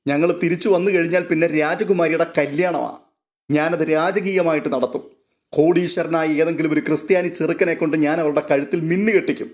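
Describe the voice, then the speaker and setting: A man reads as a tipsy, lonely middle-aged father in a storybook, slurring and boastful, his voice pushed a little high. He swings from bragging to self-pity. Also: fairly even intonation, fairly quick, natural voice.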